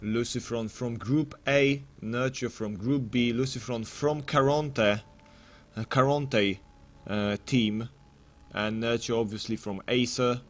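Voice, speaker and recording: A man's voice: mid-range voice, fairly even intonation, takes it slowly. A man commentating live on a game tournament in a casual, rambling way, full of matey banter and mock-announcer flourishes.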